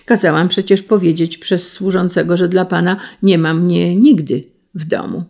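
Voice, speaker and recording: A reader voicing an indignant aging countess confronting her son, in a husky voice. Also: medium pitch, steady tone, normal speed, a little mellow.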